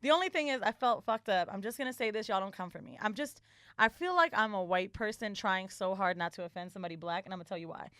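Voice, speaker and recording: A woman's voice: medium pitch, expressive, quick pace, a bit bright, no room sound. A woman podcast co-host chatting casually and explicitly in a studio, blunt, slangy and profane.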